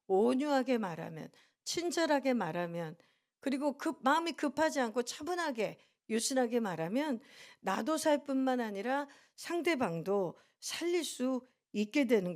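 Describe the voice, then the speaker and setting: A middle-aged woman pastor preaching a sermon in a church, telling stories earnestly and acting out what people said. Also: a little high. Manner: earnest storytelling with acted-out quotes.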